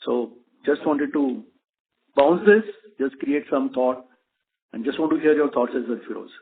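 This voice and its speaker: A man's voice: mid-range voice, normal speed. A man asking a question as an investor, hesitant and polite, circling around his point. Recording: noisy tinny phone line with clicks.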